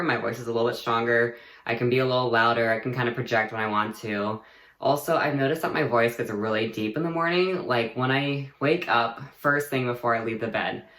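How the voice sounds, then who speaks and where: A man's voice: mid-range voice, fairly bright tone. Chatty young man in an echoey room. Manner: chatty, rambling, many "like" and "um" fillers, laughs easily. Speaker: vlogger. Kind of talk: casual personal update to camera.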